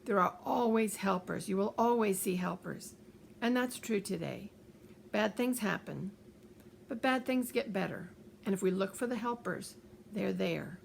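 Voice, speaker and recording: Older woman, gravelly edge, gentle advice talk, faint hiss behind. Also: mid-range voice. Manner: gentle, repeats reassuring phrases. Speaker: author giving coping advice. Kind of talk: calm advice talk to camera.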